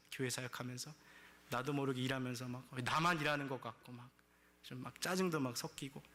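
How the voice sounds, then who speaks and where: A male pastor delivers a Sunday sermon in a bright, clear voice. He tells the story with lively animation and slips into the voices of grumbling characters. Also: mid-range voice. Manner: animated storytelling, acts out quoted complaints.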